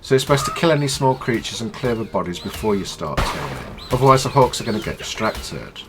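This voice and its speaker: A man with a stuffy nose from a cold, explaining a video game in a chatty, low-key tutorial. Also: big pitch swings, brisk, background noise. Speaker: gaming channel host.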